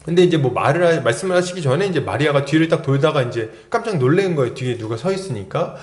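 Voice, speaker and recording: A man preaching a Sunday sermon as pastor, telling the story vividly and acting out the quoted lines with sudden loud cries. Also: fairly high pitch, animated, quick pace. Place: church sanctuary. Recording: echoey church hall.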